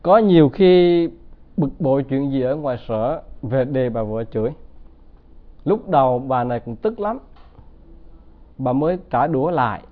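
A man's voice: medium pitch, lively intonation, measured pace, pauses often. A man giving a Buddhist dharma talk, telling stories and often asking the audience to agree. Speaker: Buddhist teacher. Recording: tinny phone-like sound.

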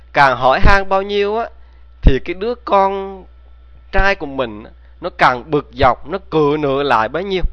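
A man's voice: a little high, a bit bright, dry recording. Man telling a folk tale to listeners. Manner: addresses listeners with rhetorical questions. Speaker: storyteller.

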